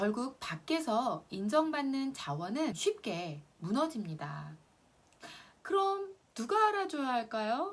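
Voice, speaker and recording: Speaking in a calm, gentle tone, a woman with a high pitch goes at a very slow pace. Her pitch swings very widely. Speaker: psychological counselor. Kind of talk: talk to camera advice.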